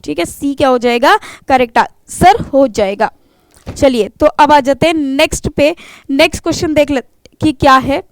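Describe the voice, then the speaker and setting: A woman's voice: sits high, moderate pace, no echo. A woman English teacher, explaining grammar step by step in an exam-prep lesson, mixing English terms into Hindi.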